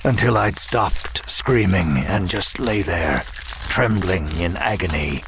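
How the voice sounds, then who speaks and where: A man playing a broken, self-loathing demon who narrates a horror audio drama in a grave, measured way. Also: deep voice, background noise. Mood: weary anguish. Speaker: first-person narrator.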